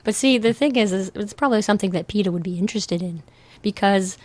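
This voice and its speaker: A woman's voice: medium pitch, quick pace, a little mellow, no room sound. A woman co-hosting a podcast in casual, slightly sardonic chat. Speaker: podcast co-host.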